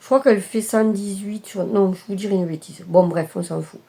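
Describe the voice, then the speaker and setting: Warm-voiced woman chatting hesitantly. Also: medium pitch, fairly quick, gravelly, a little hiss or hum. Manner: hesitant, many fillers and self-corrections. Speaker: cross-stitch vlogger. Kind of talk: casual show-and-tell chat.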